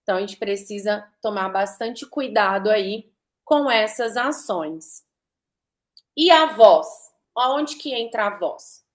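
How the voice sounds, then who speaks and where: A woman's voice: mid-range voice, lively intonation, slow. A woman giving a live online talk, conversational, asking her audience rhetorical questions and shifting her pace and emphasis to demonstrate. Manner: varies pace and emphasis to demonstrate vocal technique. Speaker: speaker giving a talk on communication and sales.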